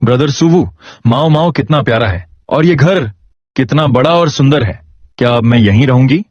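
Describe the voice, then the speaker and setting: A man's voice: medium pitch, moderate pace, a little mellow, no room sound, highs cut off, lightly acted. A man voicing a shy, eager twelve-year-old girl in a storybook recap, in a raised, pleading voice. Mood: eager, timid.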